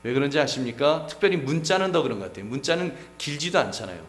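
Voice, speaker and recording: A man's voice: medium pitch, animated, fast. A middle-aged male pastor delivers a sermon, talking straight to the congregation and acting out little scenes of dialogue. His voice sits in a middle register and rings around a roomy church hall. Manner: addresses the congregation often, acts out quoted dialogue. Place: church sanctuary.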